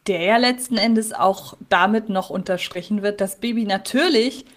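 A woman's voice: mid-range voice, moderate pace. A woman co-hosting a podcast, giving earnest opinions and thinking aloud in casual talk. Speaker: podcast co-host. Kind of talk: casual episode discussion.

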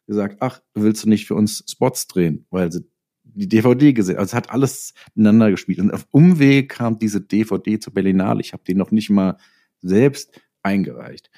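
A man's voice: fairly low pitch, a little fast, dark tone. A middle-aged man chatting casually as an interview guest, telling stories from his working life and acting out bits of dialogue. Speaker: interview guest, author and filmmaker.

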